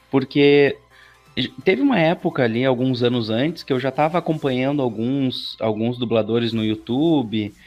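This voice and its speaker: A man in his thirties giving casual interview answers as a guest, acting out his own past thoughts as he tells stories. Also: medium pitch. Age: 30s. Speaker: interview guest, aspiring voice actor.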